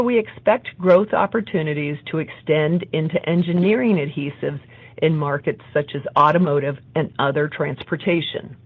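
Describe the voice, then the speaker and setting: A woman executive reading a scripted business presentation in a formal, measured way. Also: deep voice, dry recording, phone-quality sound. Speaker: company executive. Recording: band-limited conference call audio.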